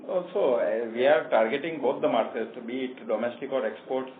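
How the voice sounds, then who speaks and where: A man, a company executive answering analysts' questions on an earnings call and pausing often with fillers. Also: medium pitch. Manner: hesitant, many fillers and restarts. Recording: echoey phone line with faint noise.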